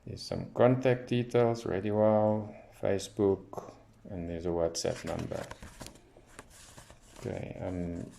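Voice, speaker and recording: Slow, low-voiced man, slightly gravelly. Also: warm tone, slight background noise. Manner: unscripted, thinking aloud while reading off labels. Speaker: hobbyist radio reviewer. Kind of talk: casual unboxing commentary.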